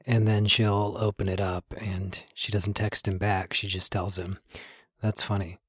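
A man performing as a wry, measured storyteller, giving literary narration of small-town lives in an audio drama podcast. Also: fairly low pitch, level tone, breathy edge, clean studio sound. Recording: roomy, faint music behind.

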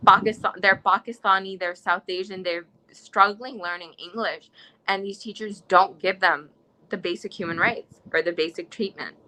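A woman's voice: medium pitch, steady tone, normal speed, pushed and bright, rough recording. A young woman from the United States speaking in an interview, earnest and impassioned, often restarting her sentences. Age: young adult. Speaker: interviewee, student. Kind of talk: conversational interview.

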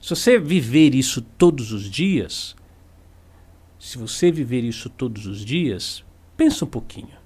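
Animated Brazilian man teaching. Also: medium pitch, unhurried, slightly rough. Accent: Brazilian Portuguese. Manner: emphatic and repetitive, with acted-out quotes. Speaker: spiritual teacher and YouTuber. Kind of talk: motivational talk to camera.

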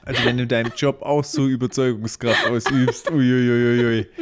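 A man's voice: medium pitch, level tone, fairly quick, a little hiss or hum. A man chatting casually in a podcast, teasing his co-host and stubbornly defending his point. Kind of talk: casual recap chat.

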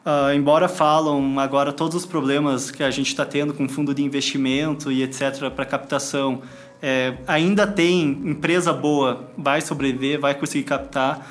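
A man's voice: a little high, fairly even intonation, normal speed. A man with a Brazilian accent speaking casually as an entrepreneur guest in an interview.

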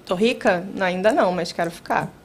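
A woman's voice: on the low side, fast. A woman in her thirties from Brazil, a podcast guest in casual, chatty conversation who laughs often and repeats herself. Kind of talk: casual chat.

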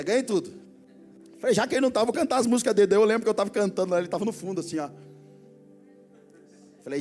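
A Brazilian man preaching in a church, his voice unusually high for a man. He tells stories casually, dropping to quiet asides, then builds to loud exhortation. Soft music plays faintly behind him. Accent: Brazilian Portuguese. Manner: storytelling, swings from hushed asides to loud exhortation. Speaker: pastor. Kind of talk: sermon. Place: church hall before a congregation.

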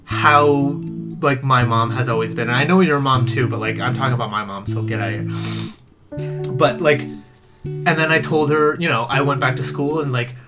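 A young man chatting casually and warmly about his family, rambling with lots of fillers. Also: medium pitch, steady tone, moderate pace. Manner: rambling, heartfelt, many fillers. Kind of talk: casual chat. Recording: music playing underneath.

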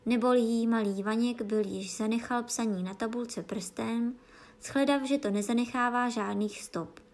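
A woman narrating a classic children's story, reading aloud calmly and expressively. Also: a little high.

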